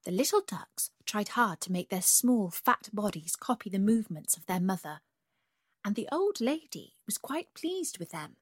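Female storyteller, soft husky read, unhurried, dry and close. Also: medium pitch, big pitch swings, dry recording. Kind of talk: storybook reading.

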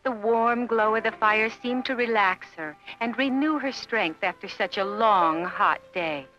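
A woman storyteller reads a children's fairy tale expressively, in a bright, somewhat high voice. Her delivery is measured and scripted, with soft music behind and a slightly dull recording. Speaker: storyteller narrator.

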